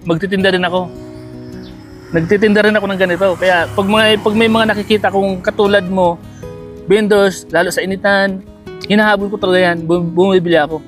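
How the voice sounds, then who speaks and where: A fairly high-pitched man talks casually outdoors, kind and encouraging. He keeps checking in with quick, repeated little questions. Music plays clearly underneath the whole recording. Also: steady tone. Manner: encouraging and kindly. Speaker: vlogger handing out gifts. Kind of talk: casual on-the-street chat. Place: outdoors on a sunny street.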